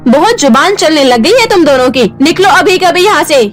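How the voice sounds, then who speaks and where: A woman's voice: high-pitched, animated, brisk, faint music behind, pitched above the performer's own voice. Vimla, a woman doing a cruel stepmother. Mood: angry, scolding. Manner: harsh, insulting scolding. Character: cruel scolding stepmother, middle-aged woman.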